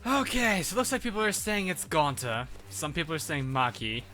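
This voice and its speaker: A man's voice: fairly high pitch, sing-song, fairly quick, pushed and bright, faint music behind. A man streaming a game, chatting casually with viewers, laughing often and reading chat aloud. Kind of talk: casual let's-play commentary.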